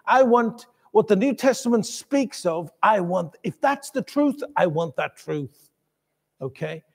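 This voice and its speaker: A man preaching to a congregation, talking it through casually with restarts and quick asides to the room. His voice sits high for a man, and it rings with the long reverb of a church hall. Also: animated, gravelly, breathy edge. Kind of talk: sermon.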